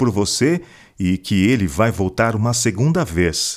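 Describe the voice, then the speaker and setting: A man with a warm tone and vocal fry speaks at a fairly slow pace on a very clean recording with a silent background. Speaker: preacher. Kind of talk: devotional sermon. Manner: earnest, warm, persuasive; measured, teaching cadence.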